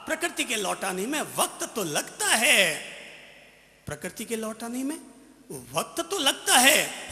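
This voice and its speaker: Dramatic male preacher for a storytelling sermon: bright, tense tone, slow pace, big reverberant venue. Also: sits high. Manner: dramatic, animated storyteller who quizzes the audience. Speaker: Jain monk preacher. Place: large stadium gathering. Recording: roomy stadium sound with long reverb.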